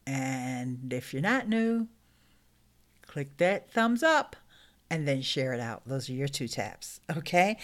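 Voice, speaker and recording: A middle-aged woman hosting a casual live stream, chatting upbeat with her viewers and laughing often. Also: on the low side. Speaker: YouTube live stream host. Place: small room indoors.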